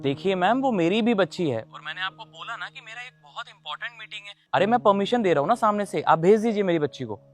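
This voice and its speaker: A man's voice: high-pitched, animated, quick pace, few pauses, faint music behind. A man playing a busy father who argues defensively with his daughter's school principal. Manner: defensive, irritated. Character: busy father, irritated then apologetic. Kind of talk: short drama skit.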